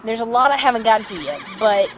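A woman's voice: a little high, lively intonation, quick pace. A woman writer giving casual, teasing commentary on an audio drama. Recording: thin phone-like sound, voices behind.

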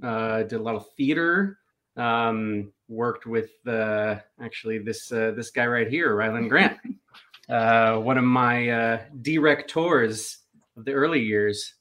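A man from Los Angeles, a filmmaker and editor, telling his background as a podcast guest with frequent pauses. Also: medium pitch, fairly bright tone. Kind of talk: casual interview chat.

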